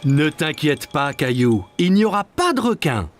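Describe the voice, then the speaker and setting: A man's voice: fairly high pitch, sing-song, normal speed, soft background music. A man voicing a patient, encouraging father in a cartoon, reassuring and kind. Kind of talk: cartoon dubbing.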